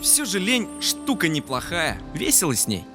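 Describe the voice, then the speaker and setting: An easygoing boy adventurer in a fairy-tale cartoon. His voice is fairly high and animated, brave and informal, over clear music. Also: normal speed. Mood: breezy. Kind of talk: children's cartoon acting. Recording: music behind the voice.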